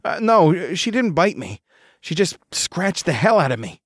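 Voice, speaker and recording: A man's voice: fairly high pitch, sing-song, unhurried, no echo, clean studio sound, pitched above the performer's own voice. A man voicing an anxious young man who stammers and pleads nervously. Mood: worried. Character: anxious young man, worried rattled roommate.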